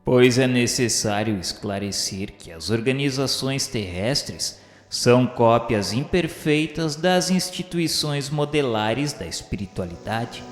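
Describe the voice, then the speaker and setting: A man playing the solemn spirit of a dead man, recounting his memoirs in declamatory radio drama narration with dramatic pauses. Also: mid-range voice, expressive, lightly acted. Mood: grave, stern. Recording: echoey long reverb over music. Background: music.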